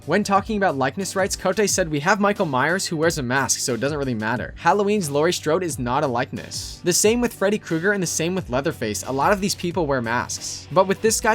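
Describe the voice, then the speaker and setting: Higher-pitched, brisk man narrating over music. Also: a bit bright. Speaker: video creator and narrator. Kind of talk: scripted explainer narration.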